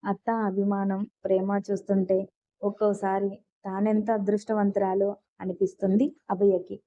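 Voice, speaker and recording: A woman reads a romance story aloud in an even, level voice, hardly lifting or dropping her tone. She gives every character's lines in that same voice. The sound is thin and tinny, as if heard over a phone. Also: mid-range voice, moderate pace. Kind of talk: scripted narration of a romance story.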